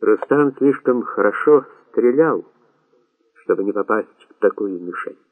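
A man's voice: lowish voice, lively intonation, a little slow, breathy edge, dry recording. Male audiobook narrator, phone-like sound. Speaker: audiobook reader.

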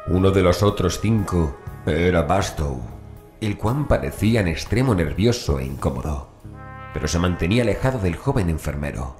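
A man with an extremely low voice narrates a horror audiobook. He reads a scripted story, and music plays faintly behind him. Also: animated, moderate pace, a little mellow. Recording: voice over background music.

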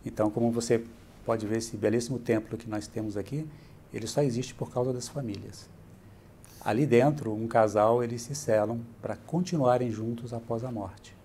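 A middle-aged man with a Brazilian accent, who is a church bishop, patiently lays things out as an interview guest at a moderate pace and medium pitch. Steady and explanatory, he often inserts "né." The recording, made indoors in a bright, furnished room, has a slight hiss or hum.

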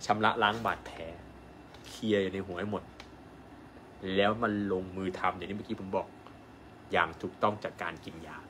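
Animated Thai man pitching his course. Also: fairly quick, long pauses, a little hiss or hum. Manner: animated and emphatic, asks viewers rhetorical questions. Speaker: acupuncture doctor selling an online course. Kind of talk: live-stream sales pitch.

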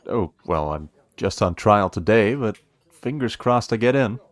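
A man acting a friendly, playful, eager young cafe helper in a romance audio roleplay, teasing and warm in a conversational way. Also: on the low side, animated, measured pace, dry recording. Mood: polite, friendly.

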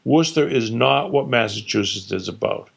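A man's voice: lowish voice, creaky, breathy edge, exaggerated voice. A man doing his blustering old father. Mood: scornful. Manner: blustering, dismissive, rattling off rapid-fire insults. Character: opinionated older father boasting about his home state. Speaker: narrator voicing his father.

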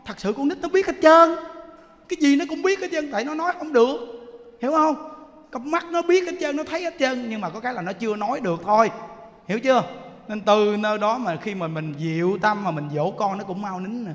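A man with a Southern Vietnamese accent preaching a Buddhist sermon in a lively way, often asking the audience questions. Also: very high voice, brisk. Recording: long hall reverb.

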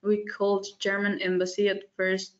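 A woman's voice: mid-range voice, monotone, moderate pace, dull audio. A woman in her thirties from Costa Rica, answering interview questions casually on a webinar and laughing often. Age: 30s. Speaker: webinar guest. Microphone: video call.

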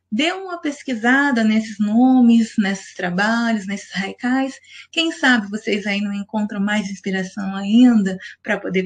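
Patient Brazilian woman teacher explaining. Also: mid-range voice. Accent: Brazilian Portuguese. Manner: patient, methodical, counting syllables out slowly. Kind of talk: recorded online class lesson.

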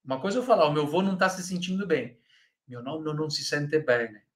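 A man's voice: a little high, fairly quick, a bit bright. A man with a Brazilian Portuguese accent teaching Italian in a live online lesson, patiently correcting students by name and checking in with "tá?".

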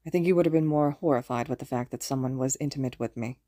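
A woman's voice: extremely low pitch, quick pace, warm tone, no room sound, clean studio sound, voice pushed down. A woman voicing a guilt-ridden, self-loathing older man in an audiobook, subdued and resigned. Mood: weary, bleak.

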